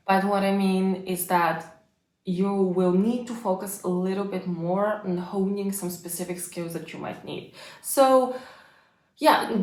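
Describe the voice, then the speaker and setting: A young woman with Bulgarian as her first language giving a casual, chatty lesson on language learning, full of fillers. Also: mid-range voice. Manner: chatty, lots of fillers like "like" and "you know". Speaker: language coach. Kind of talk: casual advice lesson to camera. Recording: echoey room.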